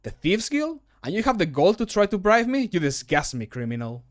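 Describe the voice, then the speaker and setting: A man's voice: sits high, big pitch swings, fairly quick, voice pushed up. A man voicing a righteous, incorruptible fantasy guard for a video game, indignant and scornful. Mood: indignant disgust.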